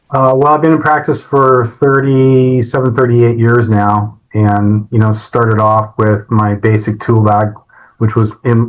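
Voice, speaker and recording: A man speaks at a medium pitch. His pace is fairly slow and his intonation fairly even. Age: 60s. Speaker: chiropractor. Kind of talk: interview. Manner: halting, with many fillers.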